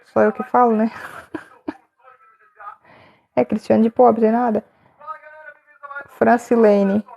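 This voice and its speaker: Gravelly, chatty woman on a lo-fi livestream. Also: fairly high pitch, little pitch movement, slow pace, dark tone. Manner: chatty, laughing, reads viewers' names aloud. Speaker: live streamer answering chat. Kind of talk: casual live chat.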